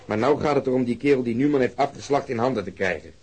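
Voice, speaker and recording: An actor playing a blunt, hard-nosed, insistent police detective who talks emphatically in a Dutch radio drama. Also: male voice, mid-range voice, fast talker, a little mellow, husky, natural voice. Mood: argumentative.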